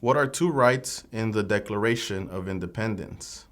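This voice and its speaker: A man playing an immigration officer in a scripted mock interview, asking formal, measured questions. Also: fairly low pitch, fairly bright tone.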